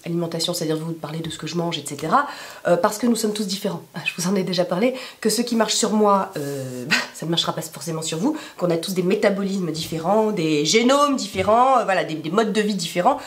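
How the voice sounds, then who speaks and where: A woman with a hoarse smoker's rasp being sick, chatting casually to camera in a rambling, self-deprecating way full of asides. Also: on the low side, lively intonation, quick pace. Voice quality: raspy smoker's rasp from illness. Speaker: YouTube vlogger.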